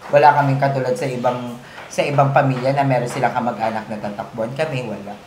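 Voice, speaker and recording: A woman from Pangasinan co-hosting a casual podcast, telling family stories in an animated, candid way. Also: rumbling low, fast. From Philippines, Pangasinan. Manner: animated storytelling, emotional and candid. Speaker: podcast co-host. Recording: roomy echo, faint background noise.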